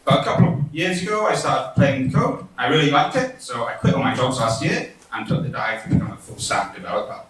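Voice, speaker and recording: A man from the UK, presenting his team's coding bootcamp app in a relaxed, chatty way. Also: mid-range voice, fairly quick, hardly any pauses. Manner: relaxed, chatty, laughs at his own demo. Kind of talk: demo presentation. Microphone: distant from the mic. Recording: echoey hall audio from far off.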